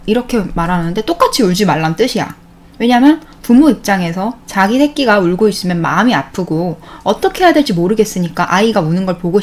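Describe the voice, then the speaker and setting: A woman hosting a self-help channel, giving a casual spoken talk on emotional healing. She briefly acts out what parents and children say, and often repeats words or restarts a sentence. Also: mid-range voice.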